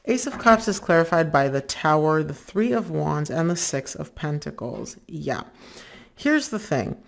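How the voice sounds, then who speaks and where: Chatty tarot reader with vocal fry. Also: mid-range voice, animated, unhurried, slight background noise. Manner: chatty, many filler likes, acts out viewers' inner thoughts. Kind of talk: casual tarot reading to viewers.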